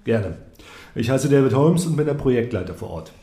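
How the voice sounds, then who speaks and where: Actor as brisk, mellow male project leader. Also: mid-range voice, expressive, lightly acted. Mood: businesslike. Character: businesslike, obliging male on-site project leader. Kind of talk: radio drama dialogue. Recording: roomy echo.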